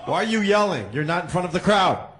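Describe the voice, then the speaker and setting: A man's voice: high-pitched, animated, fast. A man who hosts radio, chatting casually backstage in a needling way. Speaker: radio show host. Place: backstage at live venue. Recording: crowd noise behind.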